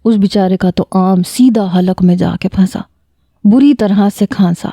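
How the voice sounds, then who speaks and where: A woman narrating a first-person romantic story with a lively, expressive reading. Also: medium pitch, no echo, studio quality.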